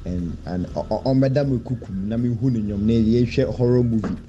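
A man's voice: medium pitch, brisk, dark tone, a little hiss or hum. A man speaking laid-back and directly to the host in a recorded voice message played on air. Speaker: listener sending a voice note. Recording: dull, lo-fi voice note.

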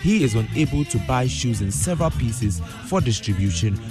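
A man's voice: medium pitch, lively intonation, normal speed, music in the background. A man with a Ghanaian accent narrating a scripted radio news report.

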